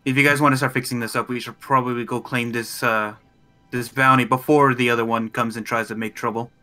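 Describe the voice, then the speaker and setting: Man, roleplay player, bright clear-cut tone, middle pitch, measured formal wording, light music underneath. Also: fairly even intonation. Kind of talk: in-character game discussion.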